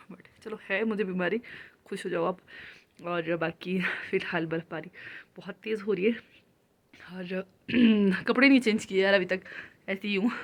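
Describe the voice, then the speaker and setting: A young woman from Kinnaur in India, vlogging casually on a phone at home during heavy snowfall. She talks fast and nonstop and is a little out of breath from walking around. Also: lowish voice. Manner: fast, nonstop chatty talk, slightly out of breath. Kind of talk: casual vlog talk to camera. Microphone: handheld phone.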